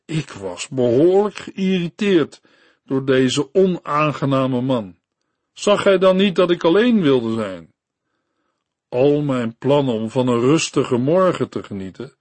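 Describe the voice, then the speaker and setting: A man reading a devotional story and sermon for a radio Bible program, in a slow, earnest storytelling manner. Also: medium pitch, animated, no room sound.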